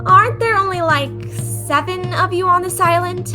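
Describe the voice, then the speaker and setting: A woman's voice: extremely high pitch, moderate pace, music in the background. A woman playing a perky, inquisitive young female sightseer in a fan audio drama, with a bubbly manner. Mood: baffled.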